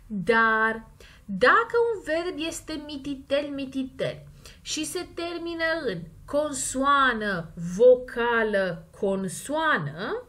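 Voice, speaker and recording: A woman with a Romanian accent, teaching English grammar and stressing the example words slowly and clearly. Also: high voice, animated, pushed and bright. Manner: slow, stressed model words between quick explanations. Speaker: language teacher. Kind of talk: explaining grammar in a recorded lesson.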